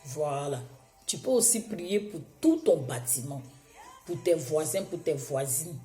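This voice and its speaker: A woman preaching a sermon, hoarse from a cold, exhorting her listeners with emphatic repetition. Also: low voice, animated, measured pace, mellow, roomy sound, soft background music.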